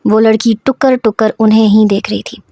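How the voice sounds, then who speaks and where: A woman narrating a scripted story in a steady, even storytelling manner. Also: a little high, no room sound.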